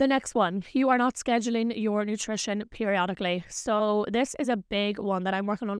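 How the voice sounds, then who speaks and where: Against a quiet background, a woman at medium pitch talks at a moderate pace with fairly even intonation in a plain, everyday voice. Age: 30s. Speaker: fitness and mindset coach. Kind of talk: solo podcast monologue.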